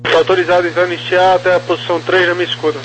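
A man's voice: high voice, little pitch movement. A man with a Brazilian accent, working as a ground controller, giving clipped air traffic instructions over a two-way radio. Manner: clipped, rapid-fire instructions.

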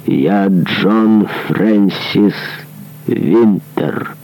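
Vengeful monk, male reader doing him low, slow and gravelly, quietly menacing. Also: low-quality recording. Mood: cold menace. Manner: hushed, menacing and demanding. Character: stern, vengeful male monk, cold and relentless.

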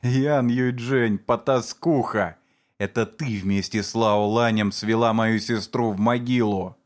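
A man voicing a vengeful man who sneers at and shouts accusations against his brother-in-law. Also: mid-range voice, normal speed, lightly acted. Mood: furious.

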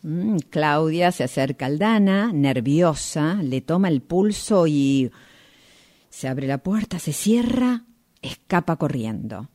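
A woman's voice: deep voice, lively intonation, takes it slowly, darkish tone. A woman reading scripted stage narration as the narrator of an amateur radio play.

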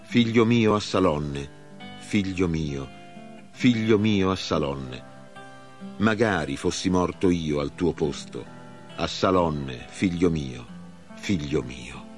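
A man voicing an old king, a father mourning his son, in a solemn, measured reading. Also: low voice, lively intonation, soft background music. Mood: grieving.

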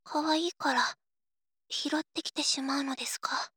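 Casting: actress for a prim, stubborn young woman, high voice, formal and easily flustered, close intimate audio drama, dry recording. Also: fairly even intonation, normal speed, bright, forceful tone, dry recording. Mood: gently scolding. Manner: polite formal speech, hesitant, flustered, scolding. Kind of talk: Japanese audio drama, intimate role-play to listener.

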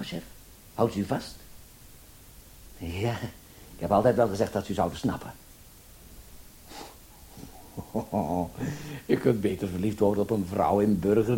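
A radio-play policeman, fussy and self-important. His pitch leaps about constantly as he stammers and rambles, by turns servile and bossy. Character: bumbling, excitable, self-important male policeman, number zero-eight. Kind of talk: Dutch radio play acting.

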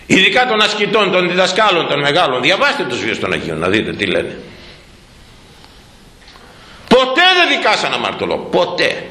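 Male preacher giving a sermon, bright lively voice that jumps high and drops low, roomy echo. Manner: animated, swooping pitch, quotes old scripture slowly.

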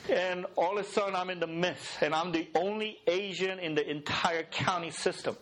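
A man's voice: high-pitched, fairly even intonation, normal speed, a bit bright. A middle-aged man who was born in Korea and raised in the US, giving a chatty, laughing talk to an audience and often checking in with the crowd. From Korea, raised in the USA. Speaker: speaker at a mission gathering.

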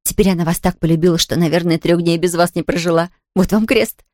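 A blunt, fussy housemaid, as a woman reader plays her, speaking in a low, plain voice close to the narrator's own. Her talk is scolding and matter-of-fact. The audiobook recording is dry and close. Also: steady tone, fast talker, a little mellow, no echo, close to an everyday voice. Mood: fervent. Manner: blunt and scolding, then fervent. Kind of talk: audiobook character reading.

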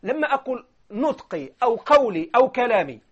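High-voiced man teaching grammar. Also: big pitch swings, a little fast, a bit bright, breathy edge, dull audio. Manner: explains step by step, keeps asking listeners if they follow. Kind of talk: classroom grammar lecture.

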